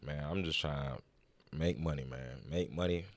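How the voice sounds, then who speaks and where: A man with a deep voice, a podcast guest talking in a laid-back, slangy way. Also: moderate pace. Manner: laid-back, slangy, fills with "you know what I'm saying". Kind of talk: casual chat.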